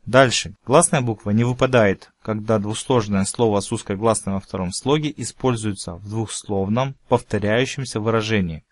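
A man's voice: lowish voice, normal speed, few pauses, no room sound, clean studio sound. A man teaching a recorded language lesson, explaining a grammar rule and carefully pronouncing example words one by one.

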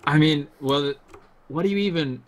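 A man's voice: a little high, moderate pace, noisy background. Laid-back male co-caster with hesitant delivery. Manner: relaxed, hesitant, many fillers. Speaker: esports commentator. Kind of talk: casual game commentary.

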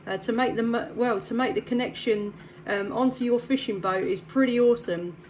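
A woman's voice: on the high side, fairly quick, darkish tone, slight background noise. An English woman from the south east chatting over CB radio, friendly and upbeat, handing back with "back to you". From south east England. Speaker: CB radio operator. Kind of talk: casual radio chat.

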